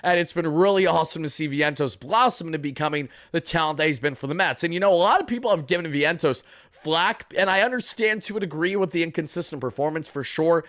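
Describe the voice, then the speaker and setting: A young man, hoarse from yelling, chatting through a baseball game recap for live viewers in a casual, boastful way. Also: a little high, quick pace, dry recording, clean studio sound. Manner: chatty, boastful fan banter. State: raspy from yelling. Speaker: sports fan channel host.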